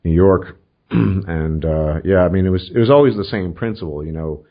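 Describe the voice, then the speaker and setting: A man hosting a casual, opinionated discussion in a measured, somewhat hesitant way. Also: low voice. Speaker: host of a political video channel. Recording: dull, lo-fi audio.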